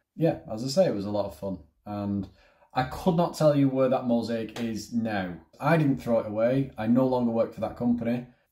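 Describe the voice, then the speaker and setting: The voice has a dark, mellow tone and ordinary pitch variation. It moves at a fairly quick pace. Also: man. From Manchester, northwest England. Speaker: street artist YouTuber; vlogger. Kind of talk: casual vlog narration. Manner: chatty, rambling with hesitations. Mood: relaxed, lightly humorous. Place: home room.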